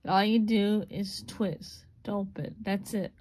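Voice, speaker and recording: A woman hosting a casual jewelry-making tutorial, talking through each step in a relaxed, repetitive, unscripted way as her voice goes hoarse. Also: mid-range voice, unhurried, a little hiss or hum. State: voice going hoarse. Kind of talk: casual hands-on craft demonstration.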